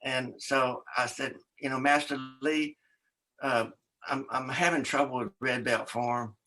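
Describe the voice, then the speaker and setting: A man's voice: mid-range voice, a little slow. An older man, an author, telling a rambling story as an interview guest, often quoting others and laughing. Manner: rambling, animated storyteller with laughs and quoted voices.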